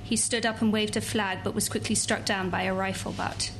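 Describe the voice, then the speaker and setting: A young woman reads literary prose aloud in a calm, even voice at a table mic. A faint low rumble sits under the reading at a bookshop event. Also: brisk, rough recording. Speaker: translator reading extracts.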